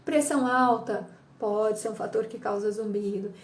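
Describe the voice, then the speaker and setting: A woman's voice: medium pitch, fairly even intonation, moderate pace. A middle-aged woman, a hearing specialist, explains the causes of ear ringing in a teaching tone, often checking in with listeners and acting out what her patients say. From Brazil. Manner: didactic, frequent "tá?" check-ins, acts out patient quotes. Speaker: audiologist and psychologist. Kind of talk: explanatory health talk.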